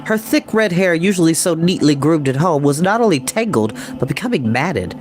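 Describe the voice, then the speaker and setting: A woman's voice: low voice, animated, moderate pace, darkish tone. A woman narrating a children's story expressively, as a storytime reader. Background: music.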